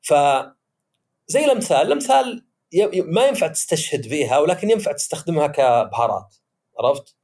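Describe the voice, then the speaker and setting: A man chatting as podcast host, animated and acting out the voices he quotes. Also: on the high side, brisk. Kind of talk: casual podcast discussion.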